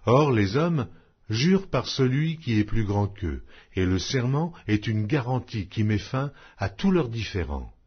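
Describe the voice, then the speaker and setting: A man reading scripture aloud as an audiobook, in a solemn, measured, declamatory way. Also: mid-range voice, very animated, breathy edge, lo-fi sound. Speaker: audiobook Bible reader.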